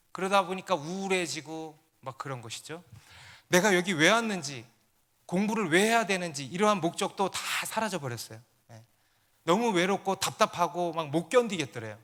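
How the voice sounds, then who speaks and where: A man's voice: on the high side, fairly bright tone. A man, a pastor, preaching a sermon, telling stories and building to emphatic peaks. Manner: storytelling, rising to emphatic peaks.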